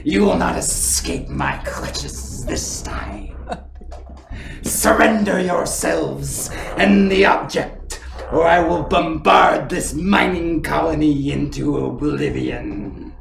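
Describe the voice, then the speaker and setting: A man acts out a sly chameleon admiral, a gloating cartoon arch-villain in a tabletop space game. The words are stretched out slowly with gravelly menace. The sound is roomy and a little distant. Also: a little high, expressive, background noise, heavily acted. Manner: sly, drawn-out, menacing delivery. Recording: echoey room, distant mic, music behind.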